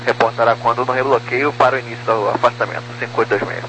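A man's voice: medium pitch, steady tone, quick pace, fairly bright tone. A man speaking as a pilot in procedural phrases over a two-way aviation radio. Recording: humming, noisy aviation radio.

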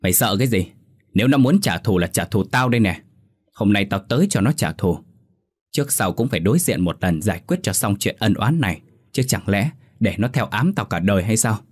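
A blustering middle-aged village official in a spoken ghost story, low-voiced and husky, talking down to everyone. He swaggers and gives orders without a flicker of doubt. A man narrator puts him on. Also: animated, brisk. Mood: bossy. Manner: blustering, bossy.

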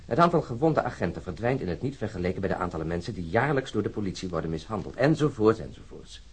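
An actor playing an earnest, disillusioned police officer in a radio drama, with a husky voice and a deliberate, wryly lecturing manner. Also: male voice, on the low side, very animated, heavily acted. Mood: indignant. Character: disillusioned, earnest male Stockholm police officer, talking at length. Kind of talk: naturalistic radio drama acting.

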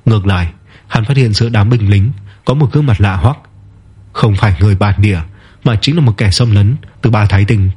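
Male narrator, low, husky, measured storytelling. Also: warm tone.

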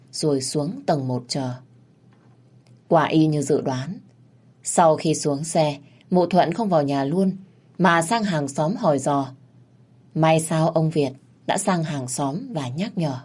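A woman narrating an audio story in a steady, dramatic storytelling manner. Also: low voice.

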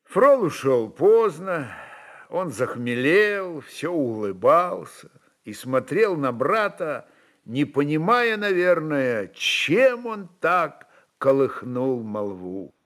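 A man narrating literary prose dramatically, in an expressive, measured manner with deliberate pauses. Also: fairly high pitch.

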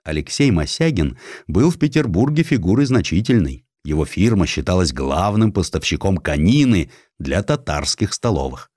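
A man narrating a satirical historical story in an expressive, theatrical, ironic manner. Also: low voice, normal speed, breathy edge, no room sound, clean studio sound. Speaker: audiobook narrator.

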